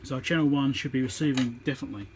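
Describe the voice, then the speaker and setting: A man's voice: mid-range voice, fast. Man giving hands-on tutorial, noisy background. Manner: matter-of-fact, thinking aloud while working. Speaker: electronics repairer demonstrating. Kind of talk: informal hands-on tutorial commentary. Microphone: phone on a tripod.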